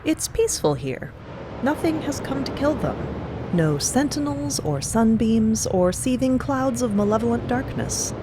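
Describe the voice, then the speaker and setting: A woman's voice: fairly high pitch, animated, a little slow, background noise. A woman reading scripted narration for an audio drama as its narrator.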